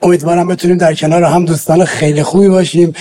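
A man's voice: a little high, flat delivery, rapid-fire, mellow. A man in his forties from Iran, a baptism candidate, speaking with polite, formal phrasing. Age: 40s. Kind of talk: formal greeting in interview.

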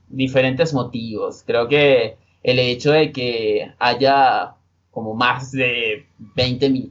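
Venezuelan man in his twenties, relaxed podcast guest explaining words, average pitch, slightly dull recording. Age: 20s. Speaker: guest, Spanish teacher. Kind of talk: podcast interview.

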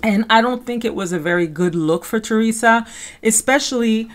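A woman's voice: on the high side, moderate pace. A woman with a Caribbean French accent hosting a podcast, giving casual, conversational gossip commentary. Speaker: podcast host.

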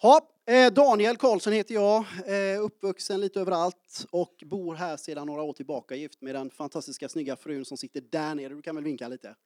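A man's voice: a little high, hardly any pauses, no room sound, clean studio sound. A man in his early forties preaching a sermon to a congregation, joking and calling out to the people in the pews. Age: 40s. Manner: lively, joking, calls out to the congregation. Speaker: pastor. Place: church.

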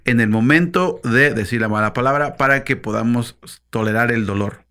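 A man's voice: mid-range voice, normal speed, bright, forceful tone, smooth. A man with a Mexican accent, co-hosting a casual chat, joking and swearing freely. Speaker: podcast co-host.

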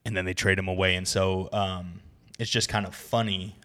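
A man's voice: low-pitched, little pitch movement, normal speed, pushed and bright. A man hosting a sports podcast with casual, joking, irreverent banter. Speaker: podcast host.

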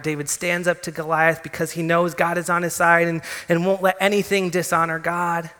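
A male pastor preaches to his congregation, telling the story with lively, joking asides. His voice is bright and fairly high, and it rings out with a long reverb through the sanctuary. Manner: animated storytelling with casual humor. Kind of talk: sermon.

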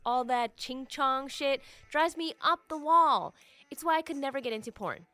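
A woman's voice: sits high, expressive, moderate pace, a bit bright, no room sound, soft background music. An actress playing a blunt, sarcastic young Asian-American woman in her twenties, often exasperated. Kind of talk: sitcom dialogue.

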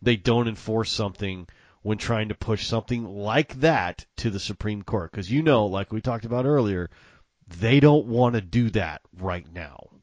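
A man with a Southern American accent talks casually in a fairly deep voice. He is folksy and blunt, like a co-host in conversation, and the sound is dry with little room to it. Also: normal speed, a little mellow, dry recording. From southern United States, Mississippi and Texas. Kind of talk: casual political chat.

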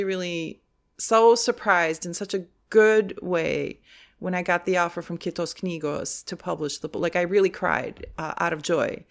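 Woman, earnest author, low-ish voice. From Chicago, USA. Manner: earnest, heartfelt. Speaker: author and teacher. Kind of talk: interview answers.

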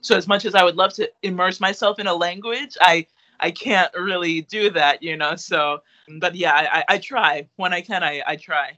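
Young male interviewee, high and bright, rambling casual talk, slightly muffled audio. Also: steady tone, normal speed. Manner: rambling, lots of fillers and restarts, laughs easily. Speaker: interviewee, artist.

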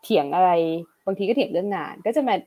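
A woman's voice: mid-range voice, lively intonation, fast, mellow. A woman hosting an interview, asking questions and summing up her guest's points. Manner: asks questions, sums up with short acknowledgements. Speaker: host. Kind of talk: conversational interview.

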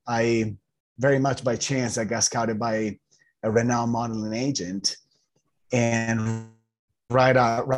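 A man's voice: medium pitch, darkish tone. A man in his thirties from Italy with an Italian accent, an interview guest telling his life story in a loose, rambling way with many fillers and restarts. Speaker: guest, ultramarathoner.

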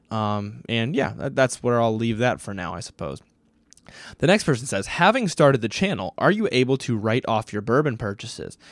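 Casual podcast host, middle-pitched, answering listener questions in a dry close-miked room. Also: male voice, no room sound. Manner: casual, chatty, thinking aloud with fillers. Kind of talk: solo Q&A podcast.

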